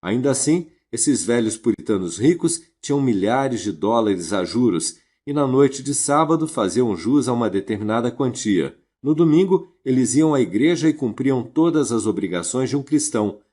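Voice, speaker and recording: A man reading a self-help audiobook in a steady, earnest narration. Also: medium pitch, normal speed, few pauses.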